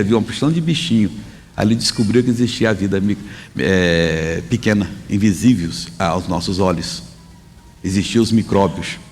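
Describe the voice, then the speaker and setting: A man preaching a sermon in a conversational, emphatic way, often pausing to correct himself. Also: lowish voice, a little mellow. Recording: long hall reverb.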